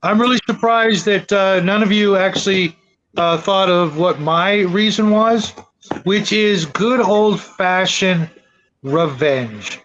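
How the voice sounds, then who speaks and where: A man talking casually on a discussion panel, halting and repeating words as he builds his point. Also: high voice, a bit bright, dull audio. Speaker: tabletop gaming discussion panelist.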